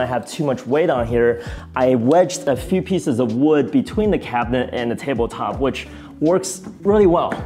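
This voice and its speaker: A man talks at a moderate pace. Faint music can be heard behind him. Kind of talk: casual tour walkthrough. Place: garage.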